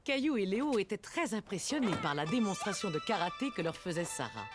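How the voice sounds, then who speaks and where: A woman playing a gentle storybook narrator, reading scripted narration for a children's cartoon. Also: mid-range voice, sing-song, a little fast, over music, lightly acted.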